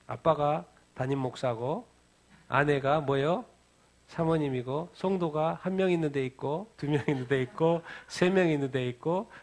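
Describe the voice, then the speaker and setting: A man's voice: fairly high pitch, a little mellow. A male pastor preaching a midweek sermon, asking the congregation questions, answering them himself, and repeating key phrases for emphasis. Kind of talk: midweek Bible-reading sermon. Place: church sanctuary.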